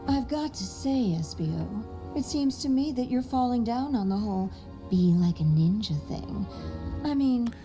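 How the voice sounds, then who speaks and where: A sultry cartoon bat thief, pitched a little high. She teases and mocks slyly, flirting as she talks, with music behind her. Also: animated, a little slow, dark tone. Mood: mocking. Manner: sly, flirtatious, mocking. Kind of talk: cartoon audio drama.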